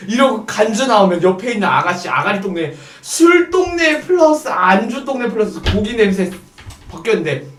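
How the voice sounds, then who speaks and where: A man in his thirties telling a crude comic story, acting out scenes with lively energy. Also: high-pitched, normal speed. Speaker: comedian. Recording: echoey room with faint noise.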